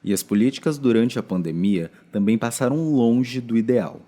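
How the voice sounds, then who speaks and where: A man's voice: mid-range voice, normal speed, warm tone. A man with a Brazilian accent reading scripted documentary narration for a podcast.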